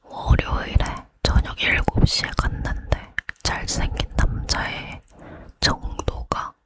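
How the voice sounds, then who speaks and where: A woman doing a whispered role-play as a chatty, boy-crazy young woman getting ready to go out, leaning in to whisper in a breathy hush. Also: takes it slowly. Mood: chatty, determined. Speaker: ASMR creator.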